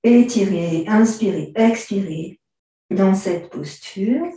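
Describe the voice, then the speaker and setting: A woman teaching a yoga and stretching class, giving slow, calm instructions and often clearing her throat. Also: mid-range voice. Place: large room during an online class. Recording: very echoey room, far from the mic.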